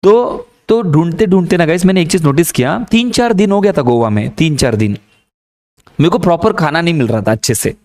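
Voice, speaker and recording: A man's voice: fairly high pitch, animated, fairly quick, a little mellow. A man teaching, telling stories in a casual, joking way and mixing in English. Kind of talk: lively classroom storytelling.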